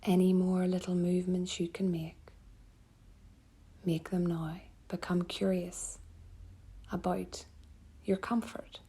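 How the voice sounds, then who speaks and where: A woman yoga teacher leading a guided relaxation meditation in a soft, breathy, soothing manner with gentle pauses. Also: on the low side, level tone.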